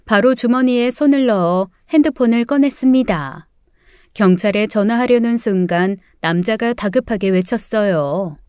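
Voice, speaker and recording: A woman narrating a first-person audiobook story in a steady, calm way. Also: mid-range voice, moderate pace, clear, resonant tone, dry recording, clean studio sound.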